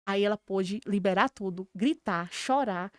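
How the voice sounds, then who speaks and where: A woman's voice: mid-range voice, a little slow, dry recording, studio quality. A woman with a Brazilian Portuguese accent, a Christian therapist, telling stories from her practice in earnest and acting out her clients' words. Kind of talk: podcast conversation.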